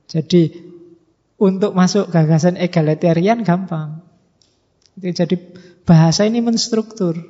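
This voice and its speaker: A man lectures a class in a relaxed, conversational way, often stopping to ask rhetorical questions. His voice sits a little high but sounds mellow. The recording is muffled, with long reverb from a large hall. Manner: conversational, uses rhetorical questions and acts out students. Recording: dull, echoey hall recording.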